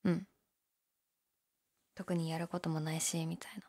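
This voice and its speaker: Low breathy voice, actress as young downer gyaru clerk, listless, hesitant, casual audio drama. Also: female voice, flat delivery, a little slow, a little mellow, exaggerated voice. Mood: low-key, candid. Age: young adult. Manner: listless, hesitant, mumbled casual polite speech. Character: downer gyaru convenience-store clerk, young woman, laid-back, shyly candid. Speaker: convenience store clerk. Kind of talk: male-oriented situation voice drama, casual chat.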